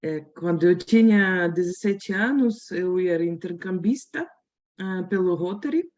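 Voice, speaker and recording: A woman's voice: fairly low pitch, lively intonation, measured pace, darkish tone. A woman in her thirties from the Russian Far East, speaking with a Russian accent and a learner's grammar slips, presenting in a friendly way at a webinar. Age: 30s. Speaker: interpreter and company owner. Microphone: video call.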